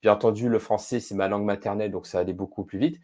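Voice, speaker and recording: A man with a fairly low voice and a dark, mellow tone, speaking as a podcast guest. He explains things step by step, pausing often to gather his thoughts. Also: fairly even intonation. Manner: thoughtful, measured, frequent hesitations. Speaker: podcast guest, speed-reading expert. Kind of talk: casual interview explaining.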